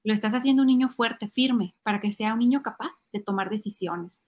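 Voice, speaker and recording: A woman's voice: on the high side, fairly quick. Woman giving parenting advice. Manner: lively, acts out child and parent voices. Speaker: podcast guest speaking on parenting. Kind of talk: podcast talk with acted-out family scenes.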